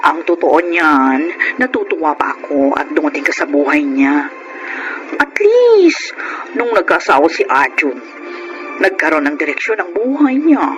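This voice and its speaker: A man acting a flamboyant, campy gay best friend in a Filipino radio drama, with animated, effusive banter and a Filipino accent. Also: fairly high pitch, unhurried, lo-fi sound. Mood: sincere, tender. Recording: music bed under the voice.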